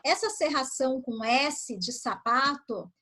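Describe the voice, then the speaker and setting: A woman primary school teacher with a high, bright, pushed voice speaks unhurriedly while reviewing a lesson with her pupils over a video call. She explains things patiently and asks them questions during this online class review.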